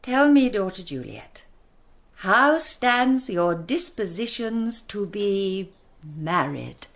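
Animated, imperious noblewoman. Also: mid-range voice, takes it slowly, heavily acted. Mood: persuading. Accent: British. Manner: commanding, formal. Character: imperious, impatient noblewoman, young-ish mother. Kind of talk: Shakespearean radio drama.

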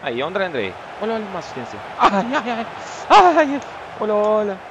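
A man with a European Portuguese accent giving excitable, shouting commentary while playing a football game. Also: high-pitched, fairly quick, dull audio, noisy background. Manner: excitable, shouts at the game, calls players by name. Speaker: gamer. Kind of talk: gameplay commentary.

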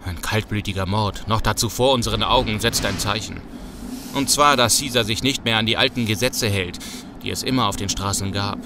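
An actor playing a resolute young street gang leader in an audio drama, speaking with urgent command. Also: male voice, on the low side, fairly quick, background noise, lightly acted. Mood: grim, determined. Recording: music under the voice.

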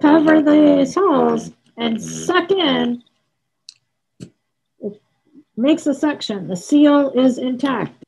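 A woman speaking through a respirator mask, her voice muffled and hollow as she calmly explains each step of a safety demonstration. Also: high-pitched, takes it slowly, vocal fry, long pauses. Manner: calm, instructive, gives short commands. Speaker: costume dye instructor.

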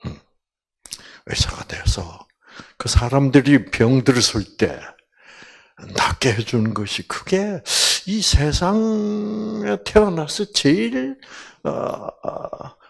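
Older man, slow lively lecture, husky voice, acted quotes, near-whispers. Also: mid-range voice. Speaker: doctor giving a Bible health lecture. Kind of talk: storytelling lecture.

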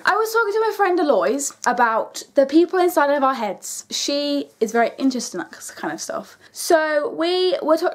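A young woman with a British accent and a fairly high voice chats casually to her camera. Her delivery is informal and slangy, with a self-deprecating streak, as a video blogger talking to her followers. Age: young adult.

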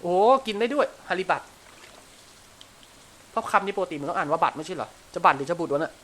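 A man with a Thai accent giving casual, crude gameplay commentary, chatting to himself and shouting at the game when it frustrates him. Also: on the high side, animated, fast talker. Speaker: gameplay streamer.

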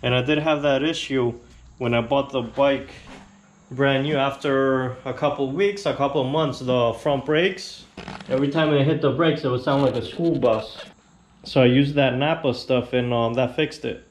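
Man giving a relaxed garage repair how-to. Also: mid-range voice, moderate pace, a little hiss or hum. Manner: relaxed, plainspoken, explains step by step. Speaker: motorcycle channel host. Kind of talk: casual how-to tutorial.

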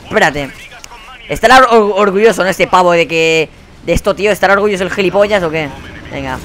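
A young man hosting a gaming channel delivers heated gameplay commentary in a Spain Spanish accent, swearing and ranting at other players. His voice is high, brisk, and fairly bright, with faint game gunfire in the background.

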